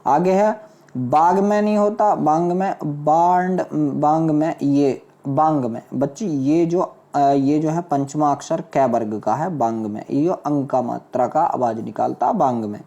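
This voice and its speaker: A woman teaching a spelling lesson for exam prep, drilling each word and quizzing students with quick rhetorical questions. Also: sits low, mellow, lo-fi sound.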